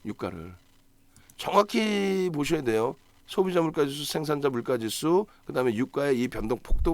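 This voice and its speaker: A man's voice: mid-range voice, a little mellow, no room sound. A man giving a solo stock market analysis broadcast, talking emphatically, asking himself rhetorical questions and checking in with the audience.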